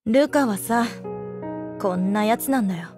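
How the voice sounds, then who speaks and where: A woman playing a calm, boyish young woman soldier who speaks in a level, matter-of-fact way. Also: mid-range voice, normal speed, lightly acted. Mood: steady. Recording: faint music underneath.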